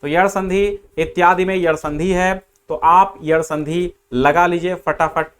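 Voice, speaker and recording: A man's voice: sits high, fairly even intonation, unhurried, a bit bright, smooth. A man teaching grammar in an online exam-prep class, explaining step by step and repeating the key answers.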